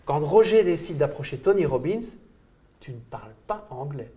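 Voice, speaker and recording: A man's voice: on the high side, expressive, normal speed, mellow. Enthusiastic male interview host. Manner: enthusiastic, lots of praise and interjections. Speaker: host and coach.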